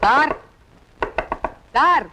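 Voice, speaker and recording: An actor playing a pompous older professor who speaks in stiff, formal, bookish phrases in a film. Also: male voice, very high-pitched, animated, extremely slow, noisy background, exaggerated voice. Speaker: neighbour professor. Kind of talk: 1980s film acting.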